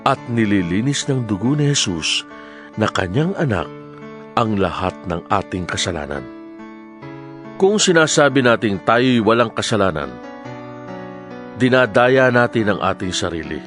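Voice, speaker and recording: A man with a Filipino accent giving a solemn, measured, declamatory dramatized reading of scripture as a Bible narrator. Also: medium pitch, a bit bright. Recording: music bed under the voice. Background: background music.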